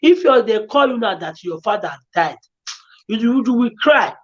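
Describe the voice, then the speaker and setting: A woman's voice: fairly high pitch, expressive, normal speed, muffled recording. Earnest Nigerian woman giving pleading advice. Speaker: guest. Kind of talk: emotional advice-giving chat.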